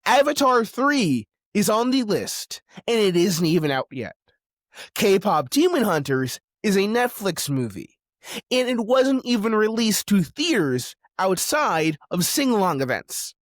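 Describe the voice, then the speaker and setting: A man delivering an opinionated video essay, stressing key words emphatically and pausing for effect. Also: high-pitched, sing-song, no echo, studio quality.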